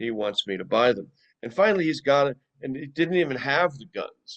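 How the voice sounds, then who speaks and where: A man speaks at a fairly quick pace with very wide pitch swings, the sound dry and close with no echo. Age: 70s. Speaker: AA meeting chair. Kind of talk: casual chat. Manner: animated.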